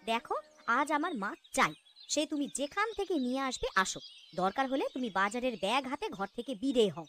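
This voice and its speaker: A woman's voice: high-pitched, very animated, normal speed, a bit bright. A woman voicing a bossy, scolding wife in a cartoon story, insistent and nagging. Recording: music under the voice. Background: music.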